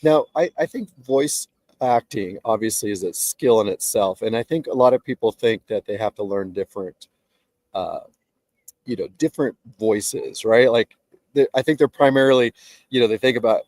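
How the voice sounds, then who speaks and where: A man hosting an interview over a video call from outdoors, sounding stuffed up and nasal, asking relaxed conversational questions. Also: lowish voice, normal speed, dry recording. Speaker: host. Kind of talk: interview, casual chat.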